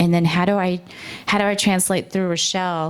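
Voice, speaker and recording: The woman's pitch is fairly low. Her intonation stays fairly even. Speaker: keynote speaker. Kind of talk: keynote speech. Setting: stage with audience. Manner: fast talker.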